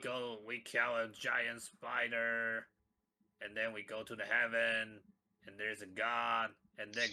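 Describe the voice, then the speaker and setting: A man puts on a character voice at a medium pitch. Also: fairly slow pace. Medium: actual play. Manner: broken grammar, blunt.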